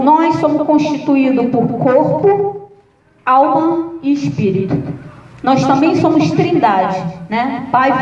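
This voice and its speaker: A woman pastor with a Brazilian Portuguese accent, preaching a sermon with lively, humorous storytelling. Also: high-pitched. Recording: echoey, distant, dull sound.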